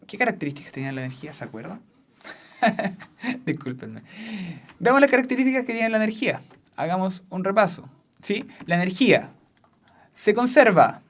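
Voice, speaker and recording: Substitute teacher giving a classroom lesson. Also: medium pitch. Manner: repeats key points, checks in with frequent questions, laughs easily. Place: classroom with a whiteboard.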